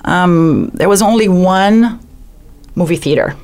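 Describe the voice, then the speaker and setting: Low-voiced Brazilian woman with an accent. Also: slow, darkish tone. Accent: Brazilian Portuguese. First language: Portuguese. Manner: storytelling, many fillers and restarts. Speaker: guest. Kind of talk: casual radio chat.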